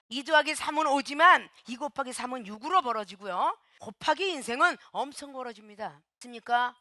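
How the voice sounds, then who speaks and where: A middle-aged woman pastor preaching a sermon, emphatic and animated, acting out quoted speech and rising to near-shouts. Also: on the high side, no echo, clean studio sound.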